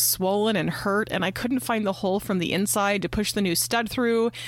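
A woman's medium-pitched voice with lively intonation and very even loudness, at a moderate pace with hardly any pauses, over noticeable background noise. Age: 40s. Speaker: pagan podcast host. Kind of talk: casual monologue. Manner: animated.

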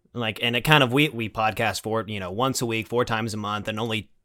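A man with fairly low pitch speaks at a fairly quick pace in an unremarkable speaking voice. His intonation stays fairly even, and the recording is very clean with a silent background. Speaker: podcast host. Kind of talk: casual chat.

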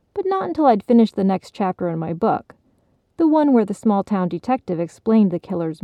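In a quiet setting, someone reads out loud with an unforced voice.

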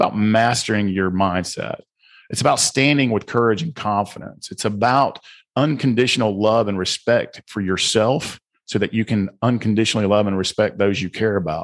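A man speaks with an animated, energetic tone at a fairly low pitch and moderate pace. His pitch variation is ordinary, and the recording is very clean with a silent background. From US South. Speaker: author and speaker. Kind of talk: podcast interview, motivational talk.

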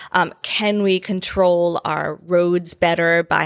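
Recorded dry and close with no echo, a woman talks in a plain, everyday voice with fairly even intonation. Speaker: chief data officer. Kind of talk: casual interview chat. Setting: studio.

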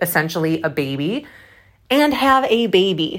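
A woman speaks in an animated tone. She goes at a fairly slow pace. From upstate New York. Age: 30s. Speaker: fitness coach and podcast host. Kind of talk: solo podcast monologue, casual reflective talk. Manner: casual, chatty, animated.

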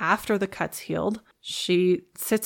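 A woman talks at medium pitch with fairly even intonation in a plain, everyday voice. The recording is very clean, with a silent background. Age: 40s. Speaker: solo podcast host. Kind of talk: personal monologue.

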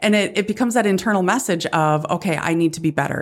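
In a plain, everyday voice, a woman talks fairly quickly at a fairly low pitch with ordinary pitch variation. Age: 50s. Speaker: podcast co-host, parent. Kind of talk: casual chat. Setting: video call.

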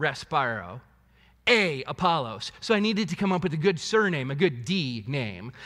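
On a very clean recording with a silent background, a man with a fairly high pitch, vocal fry and very wide pitch swings speaks at a moderate pace. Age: 40s. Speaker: pastor. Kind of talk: sermon. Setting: church.

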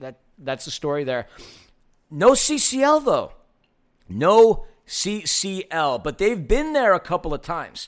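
A man with an American accent speaks at a moderate pace, his pitch swinging very widely. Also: very clean recording, silent background. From US East Coast. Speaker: soccer podcast co-host. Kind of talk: match recap; casual chat. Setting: studio.

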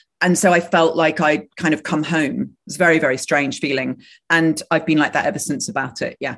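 A woman talks at a fairly quick pace with a very deep, low pitch. The background is quiet. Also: ordinary pitch variation. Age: 50s. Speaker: actress. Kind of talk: casual interview.

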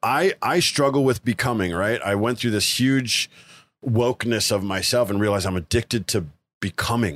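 In a very clean recording with a silent background, a man speaks in a normal speaking voice at medium pitch. The sound is dry and close with no echo, with a moderate pace and ordinary pitch variation. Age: 40s. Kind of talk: casual chat.

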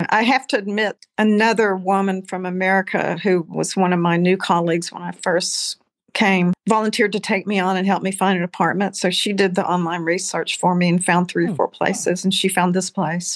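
Speaking at a fairly quick pace, a woman has a medium pitch and fairly even intonation. She talks with a slight Texan accent. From Texas. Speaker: retiree living abroad. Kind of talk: casual interview chat.

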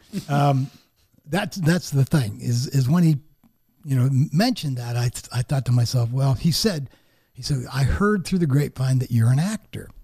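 A man with an American accent speaks at medium pitch, somewhat breathy, with ordinary pitch variation, a moderate pace, and long, frequent pauses. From Pennsylvania, US Northeast. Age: 60s. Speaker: actor and film producer. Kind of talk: casual interview chat. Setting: studio.

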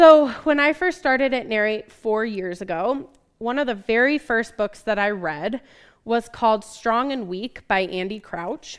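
On a very clean recording with a silent background, a plain, everyday voice carries lively intonation. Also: woman, fairly high pitch for a woman, fairly slow pace. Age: 20s. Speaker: preacher. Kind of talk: sermon.

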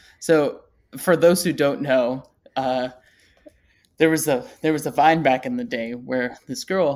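With an American accent, a woman talks at a fairly slow pace with fairly even intonation. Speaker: podcast co-host. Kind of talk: casual chat.

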